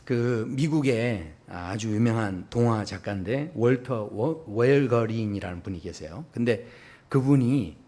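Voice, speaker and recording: A male pastor preaching a sermon in a church sanctuary, animated and questioning the congregation directly. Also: fairly low pitch, unhurried.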